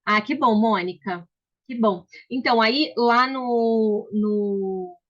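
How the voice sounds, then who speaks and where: Speaking slowly in a high-side, somewhat bright voice, a woman from Brazil hosts a casual book club video call. She's chatty and welcoming, restarting often, and the call audio is slightly dull.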